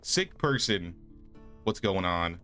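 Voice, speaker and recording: A man's voice: low-pitched, animated, slow, a bit bright, soft background music. A man casually chatting with viewers and answering their messages while he plays a game. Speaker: gaming streamer. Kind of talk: casual live-stream chat while playing.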